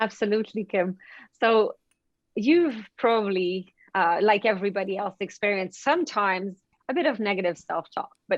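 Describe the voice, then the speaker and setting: In a Quebec accent, a woman speaks at a moderate pace and medium pitch, with ordinary pitch variation. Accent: French Canadian accent in English. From Quebec, Canada. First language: French. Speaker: motivational speaker and author. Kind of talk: interview storytelling.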